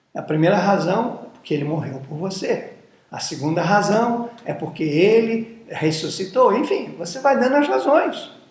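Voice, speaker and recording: Audible room echo surrounds a man speaking at a fairly slow pace. His high voice has very wide pitch swings. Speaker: bishop teaching homiletics. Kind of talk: lecture.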